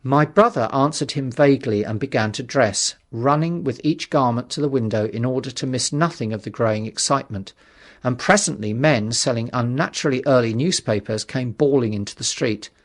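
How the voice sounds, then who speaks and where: A man narrating a literary audiobook in a measured, dramatic storytelling manner. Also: mid-range voice.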